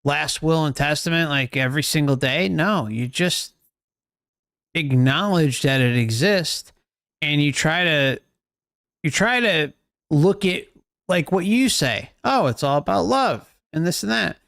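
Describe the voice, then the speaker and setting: Male online host, unhurried and clear, dry close sound, earnest casual commentary. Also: fairly high pitch, expressive, fairly bright tone, dry recording. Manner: earnest, questioning, rhetorical.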